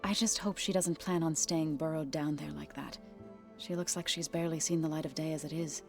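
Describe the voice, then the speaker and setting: A woman playing a gentle, devout tribal healer in a game cutscene, measured and earnest with formal phrasing. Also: low-pitched, steady tone. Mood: concerned. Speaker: video game companion character. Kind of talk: naturalistic game cutscene acting. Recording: music behind the voice.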